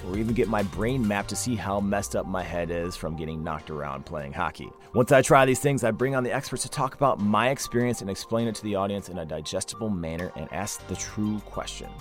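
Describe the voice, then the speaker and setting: A man in his thirties hosting a podcast, delivering a punchy, energetic scripted intro. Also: fairly low pitch. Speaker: podcast host. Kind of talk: scripted intro then casual interview.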